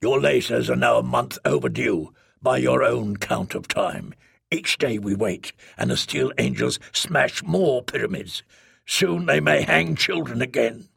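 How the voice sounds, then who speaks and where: A man's voice: medium pitch, big pitch swings, measured pace, creaky, fairly bright tone, slightly rough, no room sound, clean studio sound, full character voice. A man voicing a fierce, bitter female alien tribal leader in a storybook, stern and hard. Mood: stern, angry.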